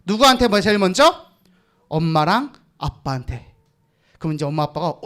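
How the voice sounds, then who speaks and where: A man's voice: high voice, sing-song, moderate pace, a bit bright. A young man leading a children's sermon, calling out lines for the kids to repeat and teasing them by name. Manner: call-and-response with kids, teasing. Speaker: children's pastor. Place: church children's worship room.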